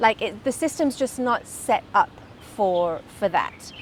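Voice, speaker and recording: A woman speaks with a southern English accent. Her pace is fairly slow. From England, Brighton. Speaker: business coach. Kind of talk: interview.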